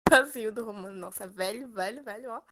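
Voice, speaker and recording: A young woman from Northeast Brazil with a Northeastern Brazilian accent, co-hosting a casual podcast with quick retorts. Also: on the high side, pushed and bright. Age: young adult. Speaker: podcast co-host.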